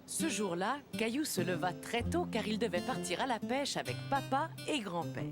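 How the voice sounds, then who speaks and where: A woman playing the kindly narrator of a children's cartoon, reading in an expressive storybook style. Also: medium pitch, moderate pace, natural voice. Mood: kindly narrating. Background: music.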